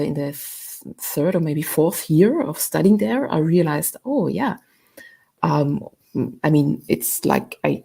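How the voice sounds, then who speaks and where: A woman, chatting relaxed as an interview guest, with many fillers. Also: lowish voice, vocal fry, husky. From Austria. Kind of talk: casual interview chat. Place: at home.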